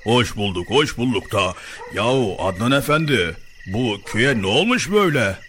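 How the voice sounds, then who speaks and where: A man's voice: medium pitch, sing-song, moderate pace, fairly bright tone, a little hiss or hum. A man playing a folksy, good-natured but easily exasperated village sage in a children's radio comedy sketch, muttering and repeating himself. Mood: indignant.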